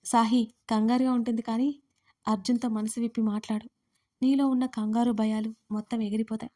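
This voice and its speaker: A woman's voice: fairly high pitch, level tone, brisk, warm tone, lightly acted. A woman voicing a playful young woman who teases her sister-in-law in an audio story. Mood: earnest. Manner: teasing, mock-dramatic.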